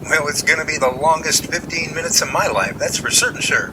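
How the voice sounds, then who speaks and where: A man's voice: on the high side, a little fast, noisy background, natural voice. A man playing an impatient, wisecracking, folksy passenger in an amateur radio drama, complaining with sarcasm.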